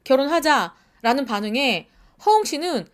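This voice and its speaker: Woman news host, high voice, swoops around a lot, talks right to the viewers. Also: normal speed. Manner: animated, questioning delivery with rhetorical questions to viewers. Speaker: host of a news commentary program. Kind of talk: news commentary reading out quotes and transcripts.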